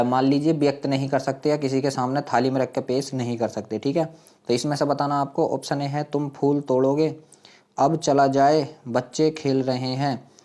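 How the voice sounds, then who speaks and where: A man with a dark, relaxed voice at an average pitch teaches a quiz-style exam lesson. He puts questions to his listeners, then explains the answers, repeating key points as he goes.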